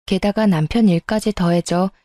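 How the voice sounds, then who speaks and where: A woman's voice: medium pitch, steady tone, normal speed, dark tone, no room sound, clean studio sound. A woman narrating a true-life story in a confiding, conversational way, as in a radio drama.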